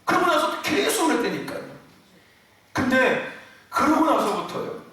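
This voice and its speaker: A man's voice: extremely high pitch, sing-song, normal speed. A male pastor preaching a Sunday sermon with passion, often raising his voice and laughing as he tells his story. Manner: impassioned, often shouting and laughing mid-phrase. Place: church sanctuary. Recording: echoey church hall from far off.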